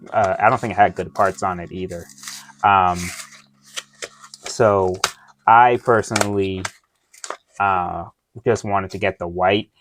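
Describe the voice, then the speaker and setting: A man wearing dental retainers that give him a slight lisp, chatting casually through an unboxing review in a halting, rambling way. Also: fairly low pitch, fairly bright tone. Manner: halting, rambling, often losing his thread. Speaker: toy review vlogger. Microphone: close microphone within his reach.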